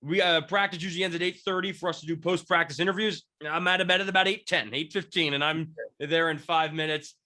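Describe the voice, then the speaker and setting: Congested young man, bright tone. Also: on the high side, fairly even intonation, fast, hardly any pauses. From Washington State, near Seattle. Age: 20s. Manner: rambling, frequent restarts and fillers. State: congested from a cold. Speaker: podcast host, sports beat writer. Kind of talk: casual sports podcast chat.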